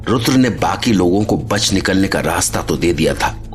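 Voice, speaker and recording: A man's voice: low voice, animated, moderate pace, soft background music. A man narrating a horror audio drama as a grave, dramatic storyteller.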